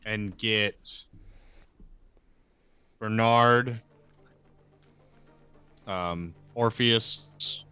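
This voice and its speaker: A man's voice: on the low side, drawn-out words, pauses often, sharp tone, clear, resonant tone, no room sound, faint music behind. A man playing a tabletop game, casually improvising and describing what his character does.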